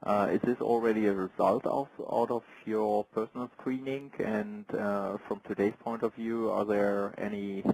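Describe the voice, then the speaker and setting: A man asking formal questions as an analyst on a business conference call, in halting phrases. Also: on the low side, a little mellow, a little hiss or hum, rough recording.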